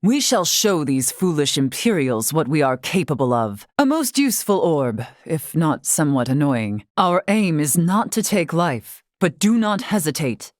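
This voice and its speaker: Low-voiced, stately tribal leader. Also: female voice, very animated, no echo, studio quality. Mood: resolute. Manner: formal, archaic, measured, stately diction. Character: dignified older woman, wise tribal leader and warrior. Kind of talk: scripted video game voice acting.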